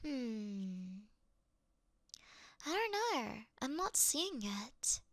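A woman plays a clumsy young female thief with a high, bright voice, recorded close and dry. She blusters like a tough rogue but stammers and gets flustered, easily frightened under the bravado. It is cute, theatrical ASMR roleplay acting. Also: big pitch swings, drawn-out words, no echo, full character voice. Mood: nervous bravado.

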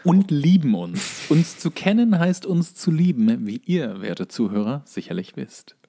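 A man's voice: on the high side, big pitch swings, unhurried, creaky, mellow, breathy edge. A man co-hosting a podcast in casual comedic banter, with playful, tongue-in-cheek asides. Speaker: podcast co-host.

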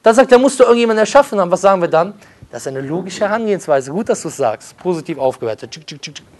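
A young man teaching a religious class, lecturing emphatically and reciting Arabic passages quickly. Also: a little high, expressive. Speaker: religious instructor. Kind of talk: religious lesson.

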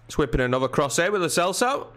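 A young man with a fairly high voice, a touch nasal and croaky from a cold. He commentates his own football video game in a chatty, easygoing way from a desk at home, lifting his voice when a chance comes. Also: sing-song, fast talker, a bit bright. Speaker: gaming channel host. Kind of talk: casual gameplay commentary.

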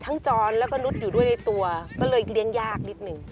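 A woman's voice: fairly high pitch, fast talker. A middle-aged woman, the mother of a family travel show, chatting casually outdoors at a lakeside. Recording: loud background music.

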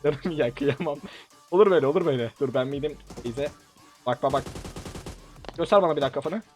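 This gaming YouTuber is a young man with a fairly high voice and quick delivery, backed by soft music. He offers excited, teasing play-by-play of a shooter match for his channel, now and then erupting into laughing shouts.

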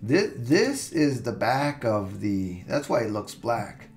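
At his computer, with soft music underneath, a man slowly walks through a software tutorial in a medium-pitched voice. He sounds laid-back, thinking aloud step by step with fillers and restarts.

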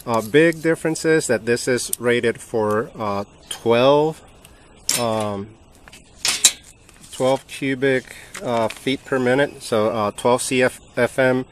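A man casually comparing two tools on a workbench, relaxed and halting, with many ums and uhs. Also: medium pitch, background noise. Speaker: hobby channel host reviewing tools. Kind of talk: casual hands-on product comparison.

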